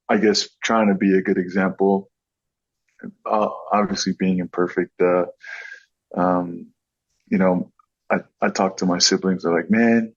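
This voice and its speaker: Deep-voiced easygoing man. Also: husky, lo-fi sound. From born in American Samoa, raised in Southern California. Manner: relaxed, easygoing, laughs often. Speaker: guest, content creator. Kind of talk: casual interview chat.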